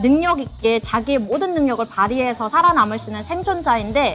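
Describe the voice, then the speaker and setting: A woman speaks at a high pitch with lively intonation. Noticeable background noise sits behind her voice. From North Korea, Wonsan. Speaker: YouTuber, North Korean defector. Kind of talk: casual chat.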